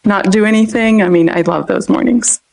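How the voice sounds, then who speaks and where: A woman's voice: medium pitch, fairly quick, gravelly, a little mellow, low-quality recording. A woman in her thirties with a Philadelphia accent, chatting as a podcast guest and laughing often. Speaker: guest, dietetics student. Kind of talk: casual interview chat.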